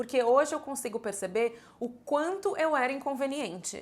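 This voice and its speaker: A woman's high-pitched voice in a Brazilian accent, with lively intonation. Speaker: lifestyle vlogger. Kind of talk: vlog monologue.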